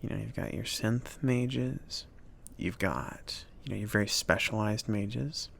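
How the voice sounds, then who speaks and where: Man playing a gravelly, slow-talking friendly shop mage. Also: lowish voice, fairly bright tone, heavily acted. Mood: helpful, rambling. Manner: rambling, hesitant, reassuring, with nervous chuckles. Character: friendly awkward male mage running a small-town magic shop. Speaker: ASMR roleplay performer. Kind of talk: soft-spoken improvised ASMR roleplay.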